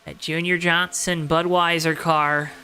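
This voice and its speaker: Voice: mid-range voice, flat delivery, measured pace, bright, forceful tone, a little hiss or hum. A motorsport commentator calling a race live, with dramatic, emphatic repetition and colorful phrasing. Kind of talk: live play-by-play racing commentary.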